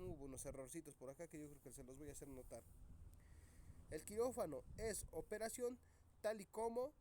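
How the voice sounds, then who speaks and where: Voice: mid-range voice, slight background noise. Teacher thinking aloud through exam answers. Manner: reads options aloud, thinks out loud. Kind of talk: classroom exam review.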